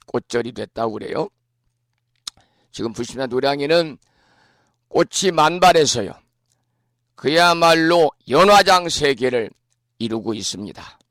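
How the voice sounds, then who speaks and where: A man, a Buddhist monk, giving a morning talk on scripture in a hoarse voice from a lingering cold, speaking slowly and clearing his throat often. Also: medium pitch, animated, a bit bright, no room sound, studio quality. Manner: slow, measured teaching delivery. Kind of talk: dharma talk explaining scripture.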